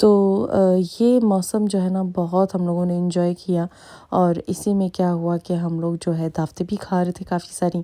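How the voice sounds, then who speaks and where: A woman's fairly low-pitched voice with a dark, mellow tone and monotone, flat intonation. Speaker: single mom vlogger. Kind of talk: vlog voice-over. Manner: casual with many fillers.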